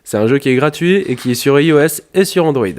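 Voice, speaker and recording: A man giving a brisk, upbeat short review of a game. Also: on the high side, expressive, darkish tone. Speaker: segment presenter.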